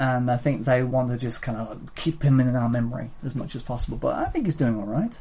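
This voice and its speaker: The voice is somewhat breathy and very fast, with hardly any pauses and fairly even intonation. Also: man, medium pitch for a man. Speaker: podcast host. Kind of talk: casual chat.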